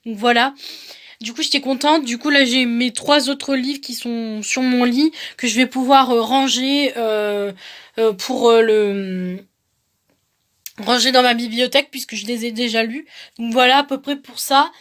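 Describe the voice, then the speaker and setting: High-voiced young woman vlogging. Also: steady tone, unhurried, a bit bright. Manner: rambling, repetitive, hesitant phrasing. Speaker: book vlogger. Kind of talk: casual vlog monologue.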